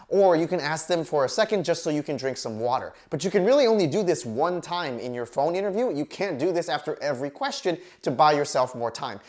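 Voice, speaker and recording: A woman presenting scripted career advice to camera, explaining point by point with clear emphasis. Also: deep voice, darkish tone. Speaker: career advice host, recruiter. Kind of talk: scripted instructional video talk to camera.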